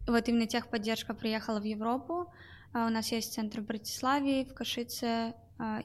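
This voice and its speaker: A woman's voice: fairly high pitch, darkish tone. A young woman, a guest in an interview, describing her work at a call center, speaking with many hesitations and fillers. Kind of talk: interview answers.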